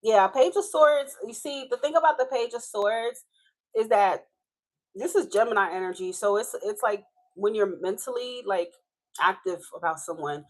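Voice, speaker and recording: A woman's voice: medium pitch, normal speed, low-quality recording. Chatty Haitian-accented tarot reader woman. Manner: casual, chatty, swears and laughs often. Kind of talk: live tarot reading.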